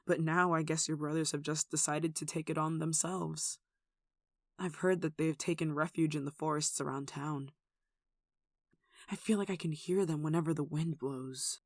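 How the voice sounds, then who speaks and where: A performer playing a gentle, protective nun in an ASMR roleplay, speaking in a tender, soothing and wistful way. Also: mid-range voice, no room sound, studio quality, natural voice. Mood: worried, somber. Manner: tender, soothing, wistful, with sighs and soft chuckles. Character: gentle, protective young nun caring for a sick demon. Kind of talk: ASMR roleplay, soft intimate acting.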